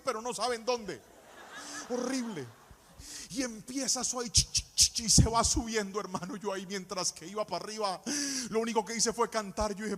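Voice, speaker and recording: A man's voice: sits high, a little hiss or hum. A man, an associate pastor preaching dramatically and telling a personal story. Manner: dramatic storyteller, shifts from hushed to shouted preaching. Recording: reverberant church hall.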